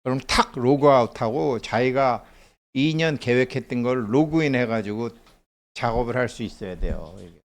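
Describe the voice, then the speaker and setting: A middle-aged man lecturing in a loose, conversational way. His voice sits at a medium pitch, and he keeps breaking into anecdotes, acting out the dialogue and chuckling along the way. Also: moderate pace. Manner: chatty storyteller, laughs often, acts out dialogue.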